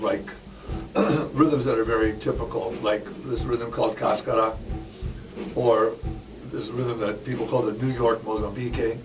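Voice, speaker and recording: A Canadian man in his sixties, a drummer and educator, telling stories in a casual interview with small jokes. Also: medium pitch. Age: 60s. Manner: relaxed storyteller, sings snippets, jokes. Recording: distant mic with clear background noise.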